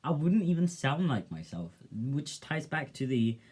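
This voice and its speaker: Young man, soft and gentle, mid-pitched, reflective vlog delivery with hesitant fillers. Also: big pitch swings, measured pace, slightly rough. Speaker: vlogger. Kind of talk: casual personal vlog.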